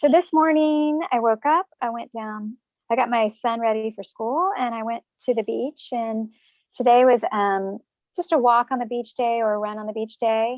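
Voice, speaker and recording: Soft-spoken and fairly high-pitched, a woman talks in an American accent at a moderate pace with ordinary pitch variation. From US South, North Carolina. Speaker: journalist and writer. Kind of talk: interview conversation.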